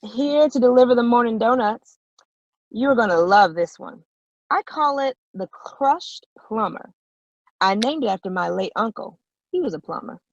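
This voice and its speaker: A woman playing a friendly, mysterious sixty-year-old baker with a morbid streak in an animated comedy table read. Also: a little high, normal speed, no echo, highs cut off. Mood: breezy, fond.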